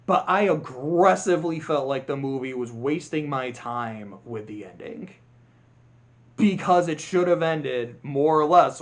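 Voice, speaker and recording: A man with a slightly high voice talking through his opinions in a loose, rambling monologue. He restarts sentences and corrects himself as he goes, with a candid, offhand delivery. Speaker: vlogger. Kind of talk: casual movie review monologue.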